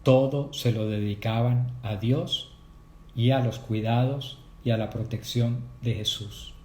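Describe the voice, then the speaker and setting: Measured man giving a religious talk. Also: mid-range voice, fairly even intonation, a little mellow, reverberant, slight background noise. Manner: measured, explanatory, addresses listeners directly. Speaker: prayer group speaker. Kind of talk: catechetical talk.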